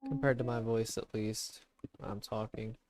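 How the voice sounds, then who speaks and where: A man with a quiet, low-effort voice, chatting casually and haltingly as he live-streams a game. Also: fairly even intonation. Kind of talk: casual live-stream chat while gaming. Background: background music.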